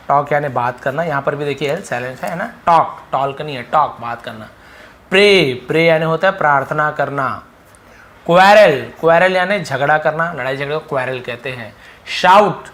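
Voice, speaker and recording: A man teaching English words in a lesson, calling out each word loudly, then explaining its meaning more quietly. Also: a little high.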